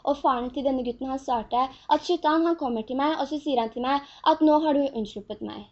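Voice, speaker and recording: A woman teaching a religious lesson in an earnest way, often posing rhetorical questions to her students. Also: high-pitched. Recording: dull lo-fi recording.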